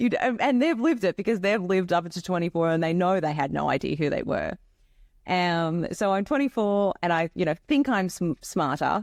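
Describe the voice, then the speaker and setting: Speaking at a fairly quick pace with an Australian accent, a woman at medium pitch uses lively intonation, her voice dry and close with no echo against a quiet background. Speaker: entrepreneur. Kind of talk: interview.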